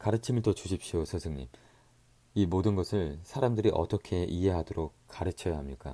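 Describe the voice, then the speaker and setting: A man with a very deep, low pitch and a dark, mellow tone, with ordinary pitch variation at a moderate pace, in a very clean recording with a silent background. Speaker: audiobook reader. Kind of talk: novel reading. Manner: soft-spoken.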